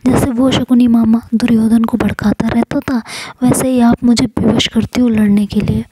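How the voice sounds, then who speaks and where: A woman's voice: a little high, level tone, moderate pace, warm tone, breathy edge, no echo, low-quality recording. A woman voicing Ishu, a sulky, sarcastic young woman who complains, in whispered role-play. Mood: mocking.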